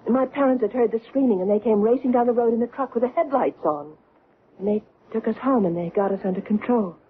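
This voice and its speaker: An actress playing an earnest, haunted middle-aged woman in a vintage radio drama, recalling strange things in hesitant, deliberate, broken phrases. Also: a little high, close to an everyday voice. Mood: earnest, remembering. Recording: noisy, tinny old radio recording.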